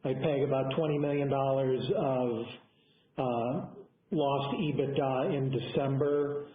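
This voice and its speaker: A male executive speaks on a thin, phone-like line with a roomy echo. He delivers a financial update to investors, halting now and then and restarting phrases as he goes. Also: mid-range voice, steady tone. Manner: halting, with mid-phrase self-corrections. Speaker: company executive on an earnings call. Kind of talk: semi-scripted business briefing to investors. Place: conference call over phone. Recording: echoey, band-limited conference phone line.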